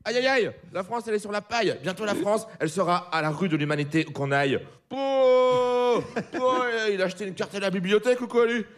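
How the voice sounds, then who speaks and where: A high-voiced man doing a comic radio column in front of a live audience. He gets rowdy, swears freely and keeps laughing at his own jokes. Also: animated, fast, hardly any pauses. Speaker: comedy columnist.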